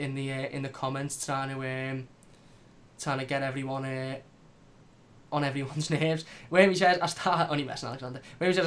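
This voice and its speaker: A man hosting a fan channel, chatting casually and reading out live comments, blunt and animated. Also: medium pitch. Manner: animated, blunt, swears lightly.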